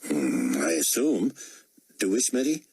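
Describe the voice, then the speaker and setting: A man voicing a calm airline captain with an easygoing, dry way of speaking, with a husky, breathy voice. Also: low-pitched, measured pace, heavily acted.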